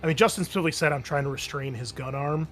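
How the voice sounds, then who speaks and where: A man's voice: a little high, very fast. A man acting as game master, narrating scenes and calling for rolls in a tabletop roleplaying game. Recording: faint music behind the voice. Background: music.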